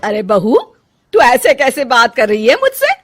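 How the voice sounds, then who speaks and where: An older mother-in-law from a cartoon storybook, played by a woman, who gives orders in a lively voice that rises and falls. Her pitch sits a little high. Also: a little slow, faint music behind, full character voice. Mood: offended. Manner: commanding, then affectionate. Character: older mother-in-law, bossy at first, later kind.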